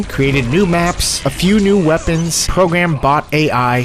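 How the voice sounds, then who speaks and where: Noticeable background noise sits under this recording. The man's voice is fairly high in pitch. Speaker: retro gaming YouTuber. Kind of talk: video game review voice-over.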